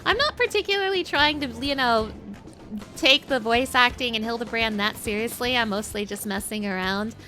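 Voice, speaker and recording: A woman streamer with a high-pitched voice, chatting in a bubbly, giggly way between game dialogue. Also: normal speed, sharp tone, soft background music. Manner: bubbly, giggly, filler-heavy chat. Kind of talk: casual chat while reading game dialogue.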